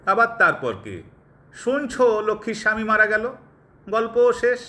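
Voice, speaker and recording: An actor playing a touchy, impatient doctor in an audio drama, speaking in a clipped way peppered with English words. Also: male voice, high voice, very animated, measured pace, sharp tone, heavily acted. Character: touchy, impatient young doctor, bored and uneasy listener. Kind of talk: Bengali audio drama acting.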